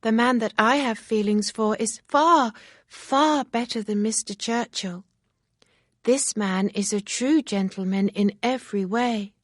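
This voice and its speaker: A woman reading a story aloud, voicing an eager, excitable young woman who speaks in breathless, bright exclamations. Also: on the high side, measured pace, dry recording, clean studio sound, voice pushed up. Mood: cheerful.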